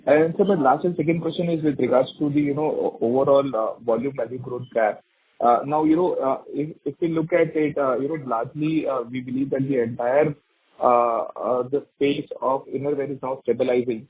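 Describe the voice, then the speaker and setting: A man speaking as a financial analyst putting questions on an earnings call by phone, in a halting, conversational way. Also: medium pitch, fairly even intonation, husky, no echo. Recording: muffled narrow phone line.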